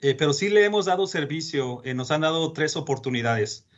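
A man's voice: fairly high pitch, expressive, brisk, dull audio. A Mexican man with a Mexican accent, a space agency executive, speaking earnestly as a guest in a radio interview. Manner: earnest, many fillers and restarts.

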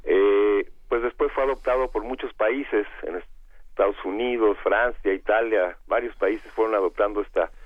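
Mexican guy on a tinny phone line, hoarse cavernous low voice, halting interview answers. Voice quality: cavernous, congested voice. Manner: halting, hesitant, searching for words. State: hoarse with bronchitis. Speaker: interview guest, illustrator. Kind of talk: conversational radio interview.

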